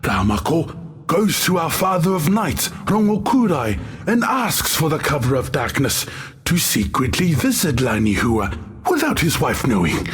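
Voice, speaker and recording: A genial armored warrior of a fantasy game, very raspy and a little high for a man. He tells tribal tales theatrically, with lively swings in pitch, over music. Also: full character voice. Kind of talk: scripted in-character lore narration.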